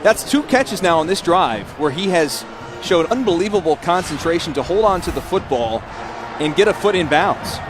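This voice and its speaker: A man's voice: a little high, lively intonation, moderate pace, music in the background. A man giving conversational color analysis during a live American football broadcast. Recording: broadcast booth, stadium noise behind.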